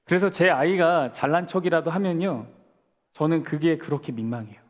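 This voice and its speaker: A man's voice: a little high, normal speed, muffled recording. A man in his forties, a pastor preaching a sermon, telling a story and asking the congregation questions before answering them himself. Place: church sanctuary. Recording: long church-hall reverb.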